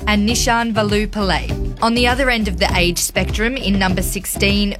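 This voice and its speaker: A woman reading a scripted news report as narration. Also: medium pitch. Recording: music bed behind voice. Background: music.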